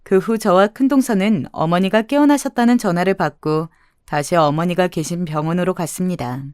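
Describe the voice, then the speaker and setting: A woman reading a dramatized true story as narrator in an even, expressive scripted style. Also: fairly low pitch, normal speed, smooth, no echo, clean studio sound.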